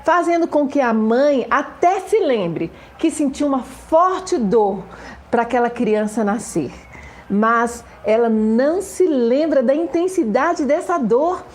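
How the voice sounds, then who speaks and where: A woman, a children's author and educator giving an explanatory talk to camera. She asks the viewer rhetorical questions and slows down to stress the words in a list. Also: sits high.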